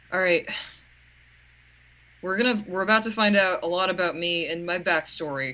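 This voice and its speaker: A female-sounding voice, put-on and strained, sits at middle pitch and moves at a moderate pace with long, frequent pauses. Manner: trying to sound tough.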